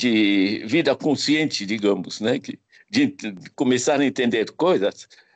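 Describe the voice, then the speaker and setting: The speaker goes at a fairly slow pace, with very wide pitch swings and vocal fry. The background is quiet. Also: man. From Europe. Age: 80s+. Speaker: economics professor. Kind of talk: lecture. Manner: conversational, with frequent fillers.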